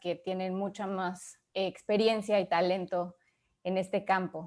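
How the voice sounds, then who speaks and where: On a very clean recording with a silent background, the speaker talks at a very slow pace. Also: woman. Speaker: psychoanalyst in training. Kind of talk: panel talk, partly read from a script.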